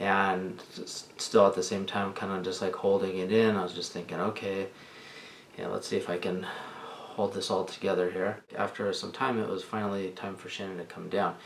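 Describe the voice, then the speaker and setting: The voice moves at a moderate pace with monotone, flat intonation. Noticeable background noise runs underneath. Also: man, fairly low pitch for a man. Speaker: vlogger. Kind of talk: storytime vlog monologue. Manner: halting, many fillers.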